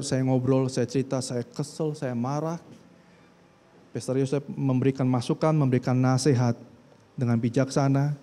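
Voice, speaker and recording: A man preaching a sermon in a church, talking conversationally and acting out what people say, then reading scripture loudly. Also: medium pitch. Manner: conversational, acts out quoted speech, rises to loud scripture reading. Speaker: pastor. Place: church hall. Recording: long church hall reverb.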